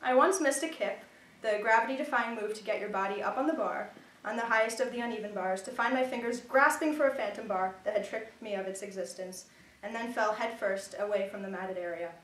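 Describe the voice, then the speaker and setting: A woman's voice: mid-range voice, brisk, fairly bright tone, far from the mic, slight background noise. Young woman reading in an echoey room. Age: young adult. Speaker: student reader. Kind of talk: literary reading of personal prose.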